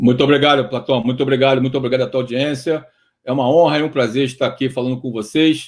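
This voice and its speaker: A man with a Rio de Janeiro accent talks at a very fast pace in a fairly high pitch. The recording is very clean, the background silent. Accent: carioca. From Rio de Janeiro, Brazil. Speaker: business consultant. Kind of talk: interview. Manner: enthusiastic.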